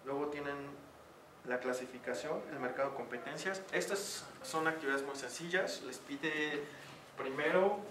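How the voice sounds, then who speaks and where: A man's voice: fairly high pitch, moderate pace. A man with a Mexican accent giving an online tutoring session as teacher, talking in a chatty way full of fillers. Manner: chatty, uses many fillers. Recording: echoey room, distant mic, noisy.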